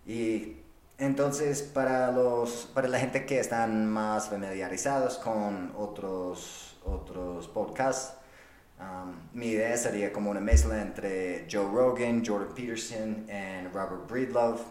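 Slow non-native man in an echoey room. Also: lowish voice, fairly even intonation, a little mellow. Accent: English-speaking foreigner's. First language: English. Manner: halting, searching for words, slips into English words. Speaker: podcast host. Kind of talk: unscripted solo podcast talk. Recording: roomy, echoing sound.

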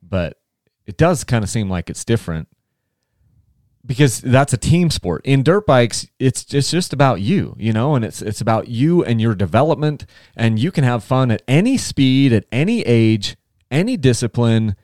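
A man's voice: medium pitch, sing-song, moderate pace, darkish tone, dry recording, studio quality. A man hosting a casual interview, who rambles and restarts his questions often. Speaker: podcast host.

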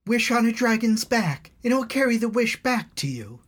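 A young tribal woman from a spoken storybook, grieving and desperate, voiced by a man. Her pleas rise high and swing wildly, climbing toward shrill cries. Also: sing-song, moderate pace, a bit bright, heavily acted. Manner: pleading, rising to shrill cries.

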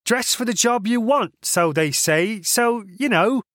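A man's voice: high-pitched, lively intonation, measured pace, fairly bright tone, no echo, studio quality, pitched above the performer's own voice. A man voicing a cheerful, awkward young man who talks with fussy, formal politeness. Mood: eager. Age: young adult. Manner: cheerful, eager, fussily polite.

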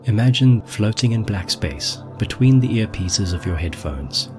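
A man's voice: fairly low pitch, animated, a little slow. A man narrating a scripted guided visualization, speaking directly to the listener in an instructive way. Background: music.

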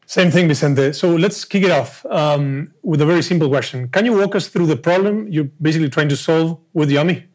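A man co-hosting a podcast, asking the guest questions in a friendly, relaxed way. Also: fairly high pitch, brisk, few pauses. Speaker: podcast co-host. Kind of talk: interview questions.

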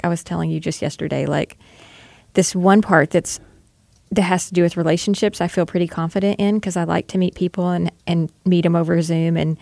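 A woman's voice: on the low side, creaky, a little mellow, no room sound. A woman chatting casually as a guest on a talk show. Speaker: podcast guest. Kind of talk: casual chat.

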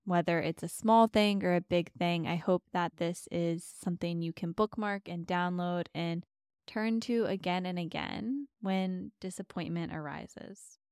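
A woman guiding a meditation softly and soothingly, giving gentle, slow, spacious instructions as a host. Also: on the low side, fairly even intonation, clean tone, no echo, studio quality. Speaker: meditation podcast host and guide. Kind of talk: soft, soothing guided meditation.

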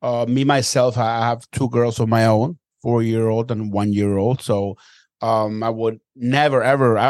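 A man's voice: medium pitch, no room sound. Enthusiastic male podcast host, dry sound. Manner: energetic, repeats words when starting sentences. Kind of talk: enthusiastic interview hosting.

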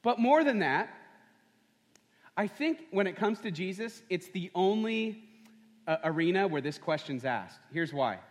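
A man's voice: sits high, big pitch swings, a little slow. A man preaching a sermon as pastor, conversational and full of rhetorical questions. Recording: long hall reverb.

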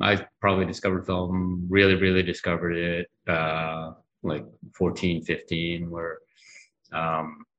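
A man in his thirties from Massachusetts, a guest answering thoughtfully with many pauses and fillers. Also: low-pitched, a bit bright, lo-fi sound. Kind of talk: conversational interview.

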